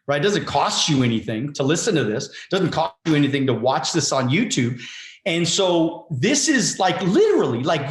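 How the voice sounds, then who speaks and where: Animated motivational man in his forties. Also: on the high side. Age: 40s. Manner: emphatic, casual, repeats words, swears freely. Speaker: guest, wealth coach. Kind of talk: motivational conversation. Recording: roomy echo.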